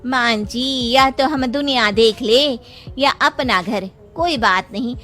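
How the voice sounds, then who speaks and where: A woman's voice: on the high side, slow pace, music in the background. A young woman voicing a determined village daughter-in-law in a cartoon, speaking respectfully and earnestly. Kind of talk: cartoon voice acting.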